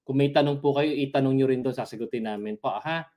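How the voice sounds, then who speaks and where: A man's voice: mid-range voice, quick pace, dark tone. A man with a Filipino accent hosting, informally addressing his viewers. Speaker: host.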